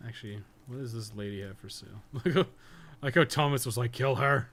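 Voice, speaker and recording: A man's voice: medium pitch, a little fast, fairly bright tone. A man doing casual live gameplay commentary as a streamer, sweary and sarcastic, often muttering to himself. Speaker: game streamer, podcast co-host.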